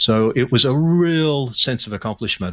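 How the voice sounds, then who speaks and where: On a very clean recording with a silent background, a man with an Australian accent speaks in a medium pitch with lively intonation. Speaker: cycling club chairman and record-setting cyclist. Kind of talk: radio interview. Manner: halting, with fillers and restarts.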